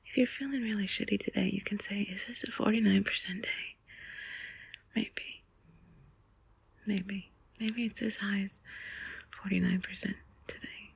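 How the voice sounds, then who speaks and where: A woman whispering softly and intimately in a breathy, husky voice, close to the mic, confiding in a rambling ASMR monologue. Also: medium pitch, fairly even intonation, unhurried, pauses often, dry recording. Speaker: intimate audio host.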